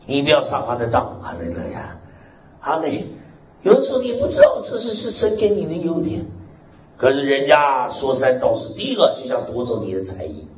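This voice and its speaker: A male pastor preaches in a loud, strong voice, his pitch rising and falling as he exclaims amen and hallelujah. The sound is roomy and somewhat dull, with a faint hiss beneath. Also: brisk, crowd noise. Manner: animated preaching punctuated by frequent "amen" and "hallelujah", with laughter. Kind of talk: lively Mandarin sermon.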